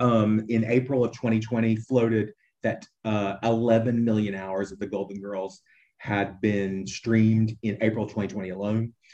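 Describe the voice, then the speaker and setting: Speaking in a Southern US accent, a man with a fairly low pitch and a dark, mellow tone keeps a monotone, flat intonation at a moderate pace. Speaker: convention organizer.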